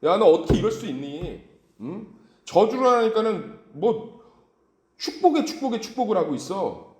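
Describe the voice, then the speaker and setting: A man's voice: high-pitched, big pitch swings, normal speed, voice pushed up. A man voicing a furious ancient king who scolds a prophet in an exasperated tone, in an echoey church room.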